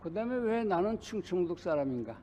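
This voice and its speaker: An older male pastor preaching a sermon, telling a personal story in a halting way with many pauses. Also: high voice, big pitch swings, warm tone, slight background noise. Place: church sanctuary.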